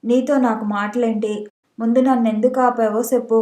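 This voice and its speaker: A woman's voice: on the high side, steady tone, normal speed, warm tone, natural voice. A woman voicing a frightened young village woman who is by turns defiant and pleading. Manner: tearful, pleading. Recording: echoey room.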